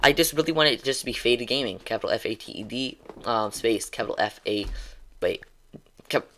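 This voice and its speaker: Slight background noise sits behind a man of medium pitch who sounds animated, fairly quick, and a bit bright. He's a game streamer signing off in casual, meandering chat, stumbling over words with many restarts, plenty of ums, and small chuckles as he goes.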